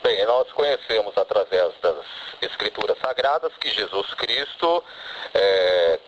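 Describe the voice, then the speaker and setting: A male radio host asking questions in a hesitant, halting way. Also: on the low side, lively intonation. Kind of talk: radio interview. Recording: muffled radio with faint noise.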